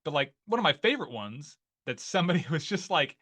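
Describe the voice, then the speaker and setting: A man's voice: on the high side, sing-song, fast, sharp tone. A man in his forties from Northeast Ohio with an Ohio accent, talking as a guest in a casual interview and rambling with many fillers and restarts. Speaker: guest, newsletter writer.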